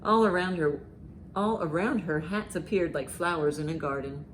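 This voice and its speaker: A woman hosting a children's storytime, reading aloud and reciting rhymes with expressive, deliberate emphasis. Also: on the low side, a little hiss or hum, low-quality recording. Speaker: library storytime host.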